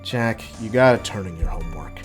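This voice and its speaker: A man's voice: lowish voice, expressive, brisk, soft background music, voice pushed down, close to an everyday voice. A man voicing a weary, concerned male math teacher in a story, earnest and admonishing.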